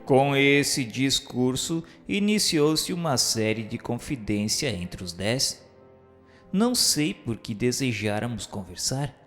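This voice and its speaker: A man reading literary first-person narration for an audio drama in a solemn, formal, measured manner. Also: mid-range voice. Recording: long reverb, music behind. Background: music.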